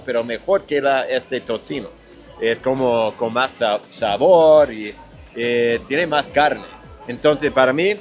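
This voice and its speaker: A man hosting a food vlog in a restaurant, chatting casually and stopping often to search for his words. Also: medium pitch. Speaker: vlog host tasting food.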